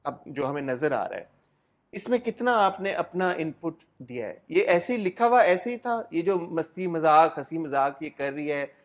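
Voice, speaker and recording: A man's voice: fairly high pitch, sing-song, normal speed. A man with a Pakistani accent hosting an interview, asking questions in a jokey, playful way. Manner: jokey and playful, praises the guest.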